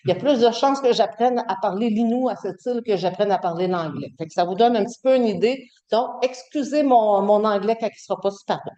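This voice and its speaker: A woman's voice: mid-range voice, fairly quick, hardly any pauses, warm tone, reverberant, lo-fi sound. A middle-aged woman with a Québécois French accent, giving a guest lecture to a university class in a chatty, hesitant way with many fillers and restarts.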